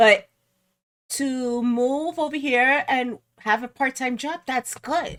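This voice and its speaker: A woman mumbles as she talks. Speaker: reaction commentator. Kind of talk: reaction commentary. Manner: loud; mumbling.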